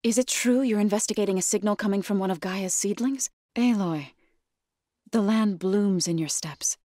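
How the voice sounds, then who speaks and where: A woman playing an earnest, resolute tribal warrior in a video game, speaking in a measured, slightly formal and thoughtful way. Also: medium pitch, mellow, no room sound, clean studio sound, natural voice. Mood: earnest, steady. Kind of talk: scripted video game dialogue.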